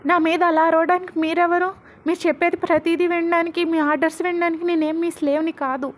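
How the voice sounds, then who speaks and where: A woman's voice: very high-pitched, little pitch movement, fairly quick, pitched above the performer's own voice. A woman voicing a defiant young wife and stepmother who argues back indignantly. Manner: pleading, indignant.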